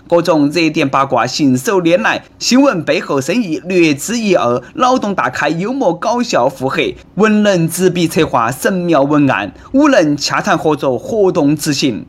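A man's voice: fairly high pitch, slightly rough. Sarcastic Sichuanese man with a raised voice. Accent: Nanchong Sichuanese. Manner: sarcastic, mocking. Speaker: host. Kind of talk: comic commentary.

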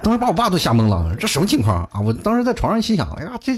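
A man's voice: fairly high pitch, wildly swooping pitch, very fast, a little hiss or hum. A man telling funny stories in a chatty comic monologue as a talk show host, often laughing at his own jokes.

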